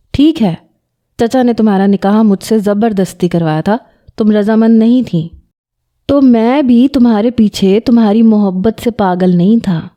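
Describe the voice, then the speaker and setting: A woman's voice: mid-range voice, dark tone, close to an everyday voice. A woman voicing a sarcastic, defensive young husband in an audio story, mocking and accusing.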